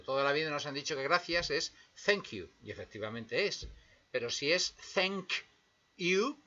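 This man's voice sits on the high side, bright and forceful. He's explaining English pronunciation, patiently saying example words slowly and adding tag questions to check on the listener, all captured in dull, lo-fi sound.

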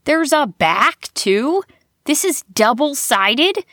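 A woman's voice: sits high, big pitch swings, takes it slowly, a bit bright, no echo, studio quality, voice pushed up, exaggerated voice. A woman voicing a bewildered, skeptical hedgehog dad in a children's storybook, with incredulous questioning.

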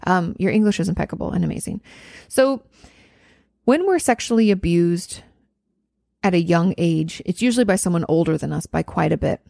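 Woman, advice host, gravelly voice, dry close sound, gentle and reflective, lots of fillers. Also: lowish voice, animated, normal speed, dry recording. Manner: gentle, reflective, therapy vocabulary with many fillers. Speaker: host answering viewer questions on mental health. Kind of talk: casual advice chat.

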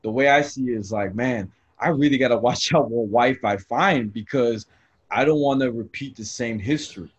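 A man hosting a casual chat, talking in a relaxed, slangy way and telling stories. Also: medium pitch, normal speed, breathy edge. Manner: slangy and laid-back, full of "bro" and "you know what I'm saying". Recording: lo-fi, slightly dull sound.

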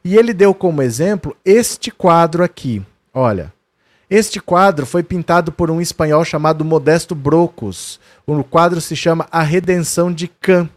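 A man's voice: fairly high pitch, no echo. A man with a Brazilian Portuguese accent explains history conversationally and shows documents to the viewer. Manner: quotes historical figures in a raised voice. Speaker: history presenter.

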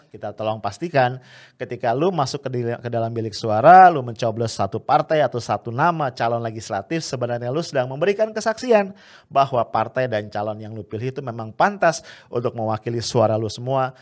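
A man's voice: medium pitch, expressive, fairly quick. A man giving casual, emphatic political commentary to his viewers, dropping little tag words and short laughs as he goes.

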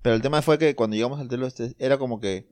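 A man's voice: mid-range voice, very fast, darkish tone, no echo. A young man with a Peruvian Spanish accent telling a rambling, slangy story among friends on a podcast. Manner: rambling, self-interrupting, slangy. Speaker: podcast co-host.

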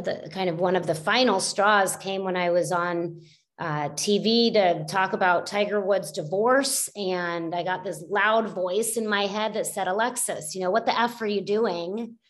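A middle-aged woman telling her own story as a guest on a podcast, in a reflective way, with many fillers and restarts. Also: medium pitch. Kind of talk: casual storytelling in a podcast interview.

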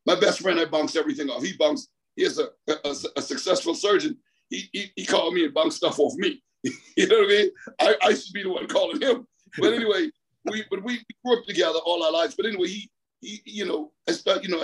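His fairly high voice is gravelly with a breathy edge, caught in a low-quality recording. The speaker, a middle-aged Bahamian track coach, rambles through his life story in a phone interview, often laughing and repeating himself.

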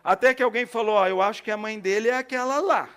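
A middle-aged man with a Brazilian Portuguese accent, preaching a sermon as a pastor and telling stories, swinging between loud and hushed. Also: high-pitched, fast, clear, resonant tone. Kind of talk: storytelling sermon.

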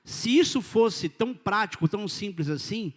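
A Brazilian pastor preaching in a church hall, his voice pitched high for a man. He talks to the congregation directly and informally, swinging from loud bursts to near-hushed asides, with a long reverb trailing behind him. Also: moderate pace. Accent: Brazilian Portuguese. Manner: informal, direct, addresses listeners as "cara" and "querido"; animated, swings between loud and quiet. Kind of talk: sermon.

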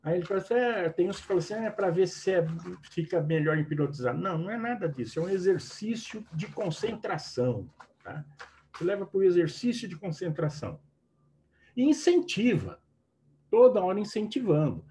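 A man instructs a group on hypnosis, stressing his points and checking in with his listeners. His voice is warm and mellow, sitting fairly high, and it moves up and down a lot. A faint background hum runs under him. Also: very animated, fairly quick. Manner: emphatic, keeps checking in with the listeners. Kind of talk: teaching in a group call.

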